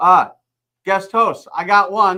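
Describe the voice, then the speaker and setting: In a raised, projected voice, a man speaks with a high pitch and a bright, sharp tone. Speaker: chiropractor, clinic owner. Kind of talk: casual chat. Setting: live stream. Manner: fast; animated.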